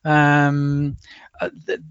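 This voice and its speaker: A middle-aged Englishman with a lilt talks in a chatty, hesitant way, often doubling words before he finds them. His voice sits a little high for a man. The sound is dry and a bit muffled, with no room around it. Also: monotone, very slow, a bit bright, clear, resonant tone, no echo. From England. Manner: hesitant, repeats words, self-deprecating laughs. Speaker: guest. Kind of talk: casual podcast interview.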